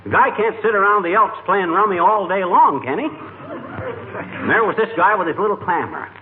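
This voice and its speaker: A man's voice: high voice, big pitch swings, normal speed. A man playing a blustering, boastful husband. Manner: bragging, ungrammatical bluster. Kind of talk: 1940s radio comedy acting. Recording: tinny old radio with clear hiss.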